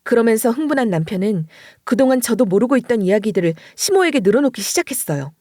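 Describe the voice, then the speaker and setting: A woman narrates a dramatic first-person story in an expressive storytelling voice. Her pitch sits a little high and moves a lot. The recording is dry and close. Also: fast talker, no echo.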